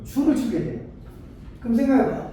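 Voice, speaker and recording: Speaking fairly quickly, a Korean literature tutor addresses his class in a high, lively voice with a mellow quality. He checks in with students frequently and performs short dialogues to illustrate ideas. The room echoes, the microphone sits far away, and faint noise lingers behind him.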